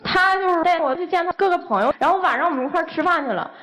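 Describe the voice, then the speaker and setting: A woman's voice: very high-pitched, rapid-fire, a bit bright. A young woman, a guest airing heated, accusing complaints about her boyfriend. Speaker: guest on dating show.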